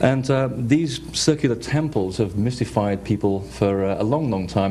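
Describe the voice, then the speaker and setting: Male speech at a fairly low pitch and moderate pace, with ordinary pitch variation, room echo that is audible and noticeable background noise. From Portugal. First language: Portuguese. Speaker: lecturer on crop circles. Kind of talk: lecture. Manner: halting, many fillers.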